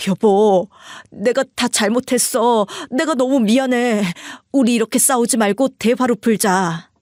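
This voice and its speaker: A desperate young husband pleads and whines for another chance, voiced by a woman. The voice sits fairly high and is recorded close and dry, like a storybook narration. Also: measured pace, darkish tone, no echo, lightly acted. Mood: pleading. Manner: begging, whining.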